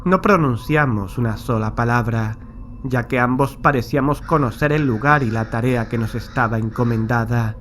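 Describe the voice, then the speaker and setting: An actor playing a haunted, nervous man who recounts a graveyard horror in a solemn, measured, literary way. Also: medium pitch, lightly acted. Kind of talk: scripted horror audiobook narration. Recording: clear background noise and ambience.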